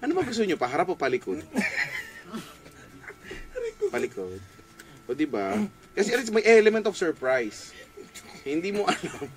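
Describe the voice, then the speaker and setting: Animated, high-pitched Filipino man. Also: moderate pace, long pauses, heavy background noise. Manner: giggly, playful. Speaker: radio DJ. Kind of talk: casual radio banter and listener greetings. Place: small radio studio. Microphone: studio boom mic with headphones.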